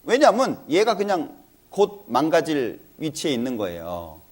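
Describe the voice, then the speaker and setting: A man's voice: fairly high pitch, huge pitch swings, normal speed. A middle-aged man giving a church lecture, telling an earnest personal story about his family and acting out their talk.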